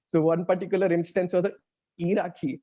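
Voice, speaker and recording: A man with an Indian accent talking reflectively in a casual interview as a writer, often pausing to search for words. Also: sits high, little pitch movement, dark tone. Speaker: interviewed audio playwright. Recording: dull, band-limited audio.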